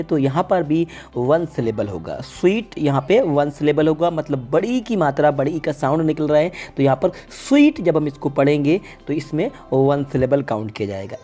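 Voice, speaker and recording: A man leads a step-by-step video lesson, circling back over every point with patient repetition. His voice is mellow and soft-edged, and faint music runs quietly underneath. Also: a little high. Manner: patient, repeats each point and calls listeners "guys". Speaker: teacher. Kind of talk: classroom-style video lesson.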